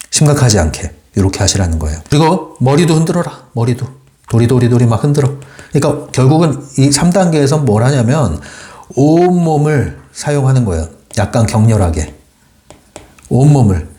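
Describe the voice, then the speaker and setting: A man's voice: on the low side, warm tone. A man giving a spoken book commentary, urging listeners with short, repeated commands and an emphatic delivery. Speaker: book lecturer.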